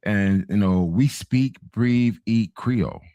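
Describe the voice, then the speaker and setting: A man's voice: lowish voice, takes it slowly, dark tone, no room sound, lo-fi sound. A man from Haiti telling a story in a casual online panel chat, laughing as he goes.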